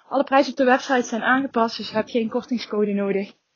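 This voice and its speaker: Her high-pitched voice carries an animated, cheerful tone, and this woman uses ordinary pitch variation. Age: 30s. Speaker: positive psychology coach and podcast host. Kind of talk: solo podcast monologue with exercise guidance. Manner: animated, cheerful with laughter.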